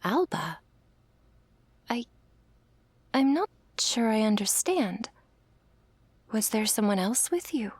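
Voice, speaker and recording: A woman playing a young female angel in training, earnest and hesitant, in a soft, breathy ASMR role-play. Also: fairly high pitch, big pitch swings, slow, pauses often, dry recording, exaggerated voice. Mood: anxious, apologetic.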